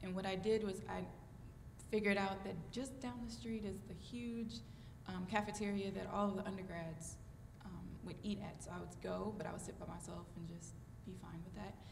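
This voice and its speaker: A woman at a moderate pace, with long, frequent pauses and noticeable background noise. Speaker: cellist and music professor. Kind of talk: panel discussion. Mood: reflective, warm. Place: hall. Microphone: handheld.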